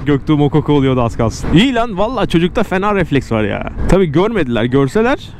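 A man's voice: fairly high pitch, big pitch swings, quick pace, a little mellow. A man chats casually to viewers in slangy, joking running commentary, speaking into a helmet mic while riding a motorcycle. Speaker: motorcycle vlogger. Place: outdoors on a moving motorcycle in city traffic. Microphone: close helmet microphone. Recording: clear engine, wind and traffic noise. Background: motorbike and city traffic noise.

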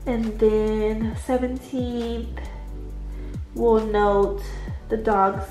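A woman with a stuffed-up, congested voice talks her viewers through a planner in a slow, unhurried way, calling them y'all. The room echoes around her, and faint music plays underneath. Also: fairly high pitch, fairly even intonation, a little mellow. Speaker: budget planning vlogger. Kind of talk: casual chat while writing in a planner. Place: indoors at a desk at home, late at night.

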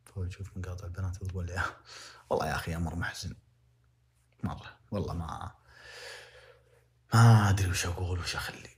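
A man's voice: low-pitched, fast, long pauses, a little hiss or hum. A young man with a Saudi accent giving impassioned, moralizing livestream commentary, repeating phrases to press his point. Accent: Saudi Arabic.

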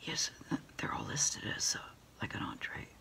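A middle-aged woman in a quiet ASMR roleplay, speaking haltingly and hushed as she takes a takeout order over the phone. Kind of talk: ASMR roleplay, whispered one-sided phone conversation.

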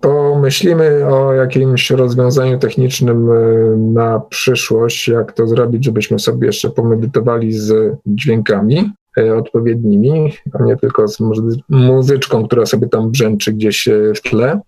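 A man leads an informal online group discussion. His mid-pitched voice has plenty of creak in it. He talks haltingly, often stretching out hesitation sounds as he looks for the next phrase. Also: steady tone, mellow. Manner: hesitant, halting, with many drawn-out filler pauses. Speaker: host of an online group meeting. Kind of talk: informal online meeting talk. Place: online video meeting.

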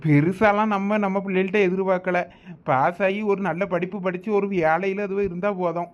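A woman with a Thoothukudi Tamil accent, speaking in a brisk, reassuring way in a village comedy skit. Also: mid-range voice, steady tone. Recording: dull, lo-fi recording.

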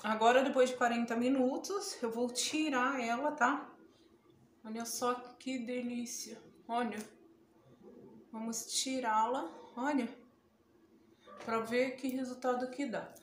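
A Brazilian woman with a Brazilian Portuguese accent and a somewhat high voice, talking a beauty tutorial straight to camera. She is chatty and exclamatory, quick to laugh or yelp. The sound is roomy, with a faint home hum behind her. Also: fairly even intonation. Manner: chatty, exclaims often, laughs and yelps when it stings. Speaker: beauty vlogger. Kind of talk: casual tutorial chat to camera. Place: home room, indoors.

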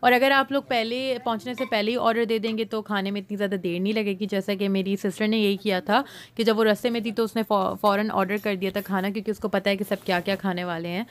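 Mom vlogger, thirties, from Pakistan, chatty and direct, recorded on a phone. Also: female voice, mid-range voice, steady tone, fast talker, hardly any pauses. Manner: chatty, addressing viewers directly. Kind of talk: casual vlog narration to camera. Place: indoor mall, then parked car.

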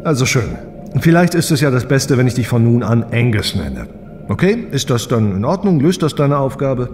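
An actor playing an easygoing, dutiful test pilot and older brother in an audio drama, casual and thoughtful. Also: male voice, mid-range voice, sing-song, normal speed, noisy background, natural voice.

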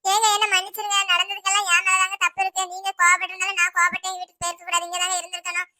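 A squeaky, very high cartoon voice of a young village wife, pleading and whiny with a Tirunelveli Tamil accent. She speaks quickly, a bit distant from the mic. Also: monotone, bright, forceful tone, no room sound, studio quality, exaggerated voice.

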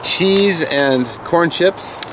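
A man's voice: a little high, drawn-out words, noisy background. A middle-aged man chatting casually as he cooks on a campfire at a forest campsite, talking to a camera nearby as he moves around. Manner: relaxed, chatty, thinks aloud while cooking. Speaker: camping vlogger. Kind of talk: casual outdoor cooking vlog. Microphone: camera-mounted mic, speaker moving near and away.

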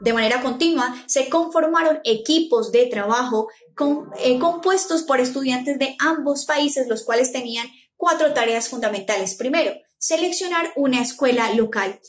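Brief: young Colombian woman with a high voice, reading a formal conference talk to a webcam. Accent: Colombian Spanish. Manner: measured, formal, enumerating steps. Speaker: teacher presenting a conference paper. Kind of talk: read academic presentation. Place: indoor room, talking to camera.

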